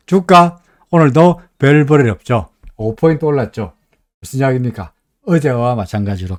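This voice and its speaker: A man's voice: mid-range voice, darkish tone, dry recording, clean studio sound. A middle-aged man with a Gyeongsang Korean accent, hosting a live stock market commentary in a folksy, chatty way, often asking his listeners "right?". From Gyeongsang region, Korea. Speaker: stock market analyst host.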